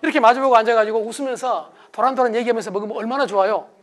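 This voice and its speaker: A man's voice: very high voice, rapid-fire. A middle-aged man giving a motivational lecture to an audience, acting out quarrels in a raised voice. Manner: animated, acts out quarrels in raised voice.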